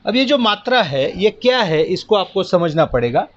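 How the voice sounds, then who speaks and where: A man's voice: high-pitched, sing-song, moderate pace, fairly bright tone. A man teaching a lesson at a board, explaining patiently step by step and counting aloud as he goes. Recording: muffled lo-fi audio.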